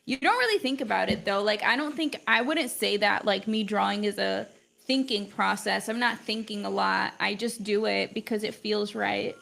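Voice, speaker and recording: While drawing on a livestream, a young art teacher chats casually and rambles, dropping "like" constantly. English is her second language. Her mid-range voice is creaky and fairly bright, at a moderate pace.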